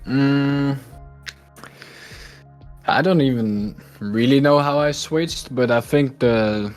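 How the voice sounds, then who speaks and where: A man guest on a casual podcast who talks in a low-key way that sounds bored. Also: slow pace, darkish tone, smooth, faint music behind. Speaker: podcast guest, video editor.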